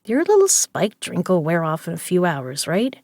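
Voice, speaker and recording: A woman's voice: fairly low pitch, wildly swooping pitch, normal speed, a little mellow, dry recording, studio quality. A woman acting in an audio drama as a stubborn poker player who is drugged and woozy, with a drowsy, loopy delivery.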